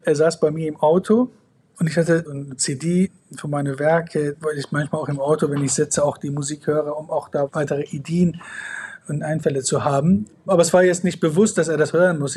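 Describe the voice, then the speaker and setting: A man, talking in an unhurried, thoughtful way in an interview over a video call. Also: fairly high pitch, fairly even intonation, darkish tone, slight background noise. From Iran. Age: 40s. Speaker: interviewee, composer and manager. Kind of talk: casual interview talk. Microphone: online video call.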